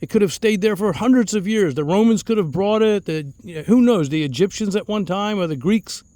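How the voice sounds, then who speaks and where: A man's voice: high voice, a little fast, dark tone, no echo. Chuckling man rambling about his fig trees. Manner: chuckling, rambling, repeats words. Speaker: fig grower and channel host. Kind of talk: casual storytelling vlog.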